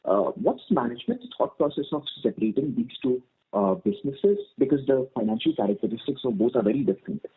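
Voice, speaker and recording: Male investor caller, Indian accent, slightly rough voice with lively intonation, polite hesitant questions, thin telephone audio. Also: mid-range voice, fast talker. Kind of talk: earnings call questioning. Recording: muffled narrowband phone line.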